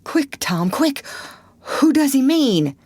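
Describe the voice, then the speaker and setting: A woman's voice: medium pitch, animated, measured pace, no room sound, natural voice. A woman voicing a fearful, superstitious ragged country boy who speaks in an anxious drawling whisper and thick dialect. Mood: panicked. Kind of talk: audiobook character reading.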